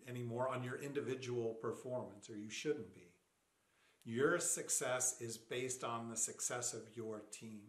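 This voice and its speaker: Calm man coaching in an echoey room. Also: medium pitch. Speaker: product leadership coach. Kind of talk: short explainer talk to camera. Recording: roomy echo.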